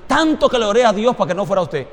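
A woman's voice: mid-range voice, big pitch swings, rapid-fire, long reverb tail, slight background noise. A man doing a stern older churchwoman. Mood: disapproving.

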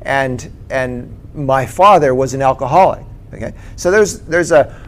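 A man's voice: medium pitch, measured pace. A middle-aged man co-presenting a Christian talk, sharing his personal story in a conversational way and often checking in with "right?" and "okay?".

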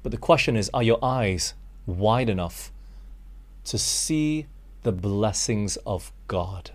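A man's voice: on the low side, takes it slowly. A Malaysian man preaching a sermon, earnest and direct, calling his listeners friends and asking them rhetorical questions.

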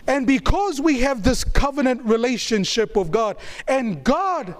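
High-voiced preacher from New Zealand. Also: male voice, lively intonation, a little slow. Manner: call-and-response, asking the congregation to answer; emphatic, repeats key phrases. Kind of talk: sermon.

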